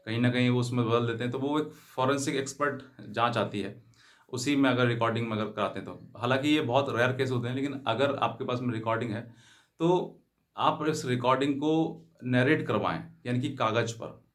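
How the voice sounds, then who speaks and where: Speaking fairly quickly in a mid-range voice, a legal advice channel host walks viewers through explanations, frequently restating his points and translating English terms into Hindi.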